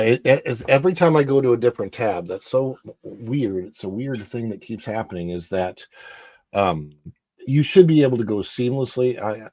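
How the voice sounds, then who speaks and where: A man's voice: fairly low pitch, darkish tone, no echo. A man hosting a casual live stream over a video call, rambling and restarting sentences while his audio keeps cutting in and out at uneven volume. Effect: audio dropping in and out, uneven volume. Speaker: live show host.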